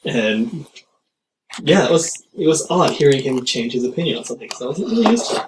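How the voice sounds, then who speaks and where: A man's voice: medium pitch, very animated, a little fast. Man, casual hesitant podcast talk, roomy recording, faint hiss. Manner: hesitant, repeats words as he thinks. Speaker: podcast co-host. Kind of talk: casual chat.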